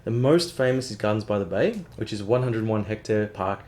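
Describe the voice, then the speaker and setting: A man narrating travel tips for a vlog in a clear, upbeat, measured way. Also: lowish voice, animated, darkish tone. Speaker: travel vlogger.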